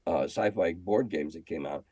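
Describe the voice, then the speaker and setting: Older guy chatting in an interview, deepish relaxed voice, repeats himself to make a point, really dry sound. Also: moderate pace, no room sound. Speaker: game designer and magazine editor guest. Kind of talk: casual interview reminiscence.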